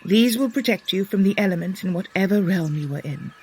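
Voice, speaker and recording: A woman playing a wise, grave, gracious goddess in a scripted audio drama, speaking in measured, solemn formal language. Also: mid-range voice, expressive, darkish tone, a little hiss or hum, natural voice.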